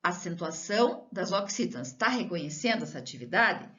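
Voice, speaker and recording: A woman schoolteacher from Brazil giving a recorded lesson to children, talking slowly and drawing out her words, asking the pupil questions as she goes. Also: on the low side, big pitch swings, fairly bright tone, muffled recording. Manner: slow, drawn-out teacher talk with rising questions to the pupil.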